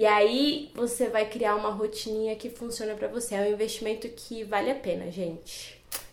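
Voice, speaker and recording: A woman's fairly high voice with fairly even intonation, over noticeable background noise. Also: moderate pace. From Brazil, interior. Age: 20s. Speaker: podcast host. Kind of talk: casual chat.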